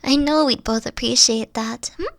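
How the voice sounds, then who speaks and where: A woman's voice: fairly high pitch, moderate pace, gravelly, dry recording, studio quality. Woman voicing a tired fox-spirit girlfriend. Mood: tired, reassuring. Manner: soft-spoken, hesitant, trailing off. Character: weary gentle young fox-spirit girlfriend. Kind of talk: audio roleplay to a listener.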